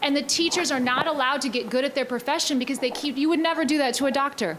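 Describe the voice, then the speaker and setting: Over noticeable background noise, a woman talks at a very fast pace and a high pitch, her tone animated and passionate. Her loudness stays very even, with ordinary pitch variation. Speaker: reading specialist. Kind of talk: panel discussion. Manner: animated, passionate.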